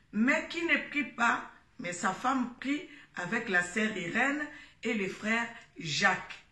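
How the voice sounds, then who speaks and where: Slow, bright-voiced woman host in an echoey room. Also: on the high side. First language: Lingala. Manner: hesitant, with frequent fillers and restarts. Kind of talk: addressing listeners as a churchgoing sister, retelling a story. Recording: roomy echo, distant mic.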